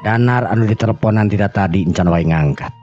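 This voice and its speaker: A man with a Sundanese accent and a gravelly, husky voice, telling a serial drama in an unhurried, conversational way. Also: lowish voice, a little mellow. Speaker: storyteller and channel host. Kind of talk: oral storytelling of a serial folk drama. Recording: muffled recording with music underneath.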